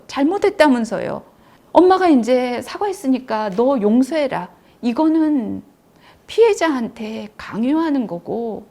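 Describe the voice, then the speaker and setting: A woman counselor speaking firmly and deliberately as she gives parenting advice, her voice pitched a little high with a gravelly edge. At times she lowers it to a near whisper. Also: dark tone. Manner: firm, measured and explanatory, dropping into a near whisper at times. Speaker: counselor and channel host.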